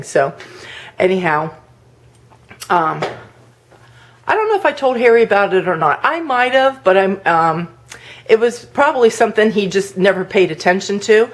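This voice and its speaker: A middle-aged woman vlogger casually telling a personal story, chatty and laughing often. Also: lowish voice. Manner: chatty, laughs often, acts out quoted voices.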